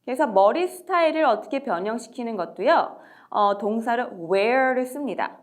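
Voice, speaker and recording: A woman teaching everyday English phrases to parents, modelling each phrase slowly and clearly. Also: on the high side, expressive. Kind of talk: slow, deliberate language lesson.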